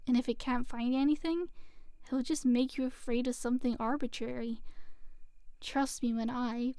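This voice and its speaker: A woman playing a gentle, teasing sleep paralysis demon in an ASMR roleplay, soothing and intimate, talking softly and unhurriedly, now and then slipping into a whisper. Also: fairly high pitch, no room sound, close to an everyday voice. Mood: reassuring. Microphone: close microphone.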